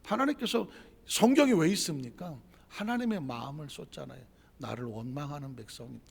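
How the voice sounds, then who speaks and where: A man's voice: mid-range voice, expressive, fairly quick, vocal fry, breathy edge. A male pastor preaching a sermon, firing off rhetorical questions that build to emphatic peaks. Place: church sanctuary. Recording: church sanctuary with long reverb.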